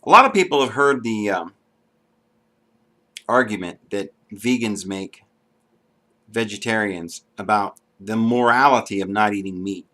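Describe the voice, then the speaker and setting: A man's voice: on the low side, a little slow, long pauses, sharp tone. A man giving an unscripted, earnest monologue to camera, with frequent ums and restarts. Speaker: video blogger.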